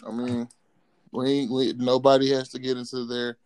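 A man's voice: mid-range voice, monotone, normal speed, darkish tone, clear, resonant tone. A man with an African American accent co-hosting a podcast in casual, boisterous, joking banter full of swearing. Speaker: podcast co-host.

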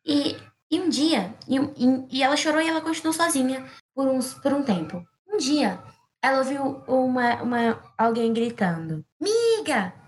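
A woman's voice: high-pitched, moderate pace. A woman improvising a children's story, playful and rambling with asides.

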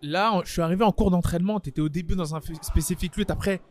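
A man's voice: sits high, fast talker. A man interviewing a fighter, asking long, rambling questions in a casual tone.

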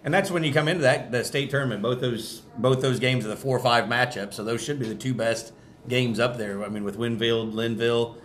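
Male American sports guest, rapid informal delivery, slight background noise. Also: medium pitch, steady tone, a bit bright. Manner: conversational, informal. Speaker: basketball interview guest. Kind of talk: casual sports talk.

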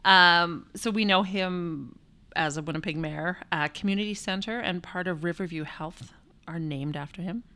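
A woman's voice: fairly low pitch, moderate pace, bright, forceful tone. Playful woman podcast co-host. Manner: playful, laughs often, reads prepared fun facts. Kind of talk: casual chat.

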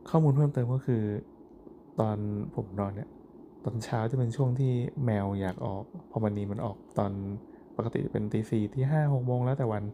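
A man's voice: medium pitch, a little fast, noisy background. A man casually recounting a vivid dream he just had, hesitant and often repeating words as he goes. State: groggy, just woken up.

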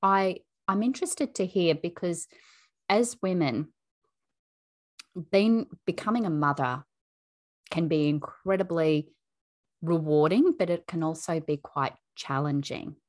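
A woman and mother hosting an interview, speaking in a thoughtful, measured and affirming way. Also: lowish voice. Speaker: podcast host. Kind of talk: reflective interview chat.

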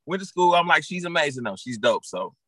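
Guy in his 30s chatting on a podcast, lots of ums and restarts, bright tone, dry sound. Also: on the high side, sing-song, a little fast, breathy edge, no room sound. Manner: rambling, many fillers and restarts. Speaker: guest, teacher and football coach. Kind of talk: casual podcast conversation.

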